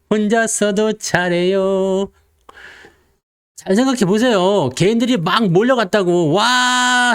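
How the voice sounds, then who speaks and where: Guy joking around about the stock market, high and swoopy voice. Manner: playful, acts out investors' voices, jokes with viewers. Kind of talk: casual market commentary.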